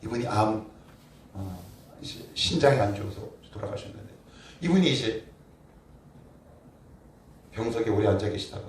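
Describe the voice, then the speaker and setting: A man's voice: fairly low pitch, animated, normal speed, pauses often, slight background noise. A man preaching a sermon as pastor, asking his congregation rhetorical questions with emphatic delivery. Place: church sanctuary. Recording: roomy church echo, distant mic.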